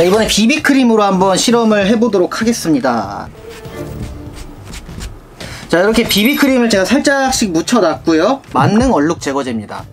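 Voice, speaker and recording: A young man hosting a product test video, explaining things to viewers in a casual, conversational and polite way. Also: high-pitched. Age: young adult. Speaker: product review video host.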